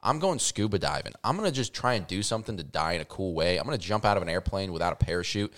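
A young man telling a story in casual podcast chat, packed with fillers. His voice sits low but swings widely as he gets animated. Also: fast. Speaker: podcast co-host.

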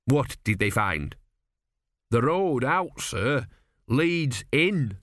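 A man's voice: mid-range voice, sing-song, very slow, fairly bright tone, no echo, studio quality, exaggerated voice. A man voicing an anxious, earnest royal servant who keeps addressing his master as sir. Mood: worried. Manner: deferential, keeps saying sir.

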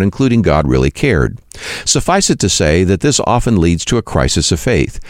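Deep-voiced man narrating, lively intonation. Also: no room sound, clean studio sound. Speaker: radio program host. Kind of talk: scripted radio teaching narration.

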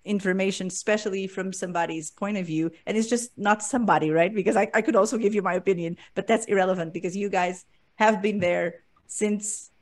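A woman hosts a relaxed podcast interview over a video call. She talks in a chatty, loose way, laughs often and trips over repeated words as she goes. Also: mid-range voice, fairly quick. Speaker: podcast host. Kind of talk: casual interview chat.

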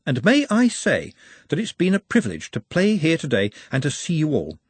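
Here is a gentle-mannered orc, all formal courtesy and exact reckoning, speaking a touch higher than the teller's usual voice, as a man puts him on. The tone stays slightly husky and close, with no room around it. He sounds calmly menacing. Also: normal speed, no echo, full character voice. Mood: courteous. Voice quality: formal, polite, pedantic phrasing. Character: courteous, precise male orc, menacingly calm.

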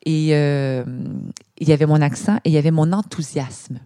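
Femme québécoise à la voix grave et animée. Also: female voice, low voice, moderate pace. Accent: Québécois French. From Quebec, Canada. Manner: animated storytelling with imitated quotes. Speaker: guest. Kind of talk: conversational interview.

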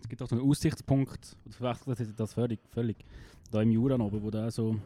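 Young Swiss German co-host, relaxed and curious, mellow tone, quick delivery. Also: male voice, medium pitch, no echo. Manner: relaxed, asks questions, hesitant restarts. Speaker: podcast co-host. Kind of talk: casual chat.

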